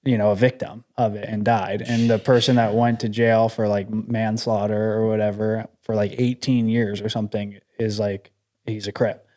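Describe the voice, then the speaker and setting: A man's voice: on the low side, flat delivery, normal speed, dark tone. Laid-back young man rambling through stories. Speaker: podcast co-host. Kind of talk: casual chat.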